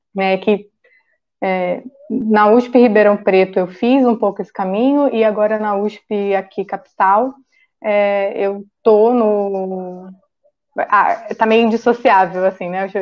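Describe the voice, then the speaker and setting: In a Rio de Janeiro accent, a woman speaks at a very slow pace. Her medium-pitched voice keeps fairly even intonation. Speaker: psychologist and university lecturer. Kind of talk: interview answer.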